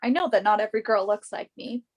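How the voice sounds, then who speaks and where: A woman's voice: mid-range voice, fast talker, natural voice. A woman acting in a play reading as a confident, earnest young fashion model who speaks up for herself. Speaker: actor in a virtual staged reading.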